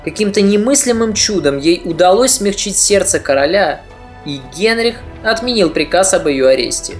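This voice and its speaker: A woman narrating a history podcast in a measured, reflective storytelling manner. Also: medium pitch, animated, faint music behind.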